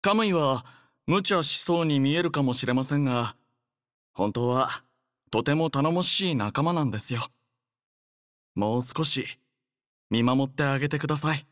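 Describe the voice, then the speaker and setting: A man plays an earnest young male soldier from a video game. He speaks in a mid-range voice with gentle, measured courtesy and sincere devotion. The sound is dry, with no room around it. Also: mid-range voice, expressive, dry recording, close to an everyday voice. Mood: earnest, devoted. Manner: polite, soft-spoken, measured, sincere. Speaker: voice actor. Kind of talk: acted game character voice lines.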